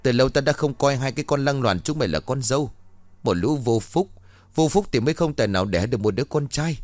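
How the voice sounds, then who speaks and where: A man voicing a furious, wailing old grandmother in a ghost story, cursing and shrill. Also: big pitch swings, brisk, no room sound, close to an everyday voice.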